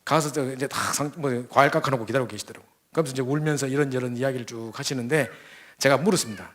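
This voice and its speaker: A young man preaching a sermon, telling a story full of quoted dialogue and quick restarts. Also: medium pitch, a bit bright. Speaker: preacher at a church training camp. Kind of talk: sermon with acted-out stories.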